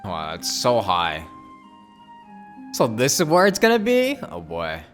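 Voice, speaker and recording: Animated male streamer reacting casually. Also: fairly low pitch, unhurried, soft background music. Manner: slangy, expressive. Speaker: game streamer.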